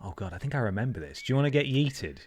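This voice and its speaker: A man hosting a live stream, chatting casually while playing a game, animated, laughing and swearing at it. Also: medium pitch, racing, faint music behind. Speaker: streamer host.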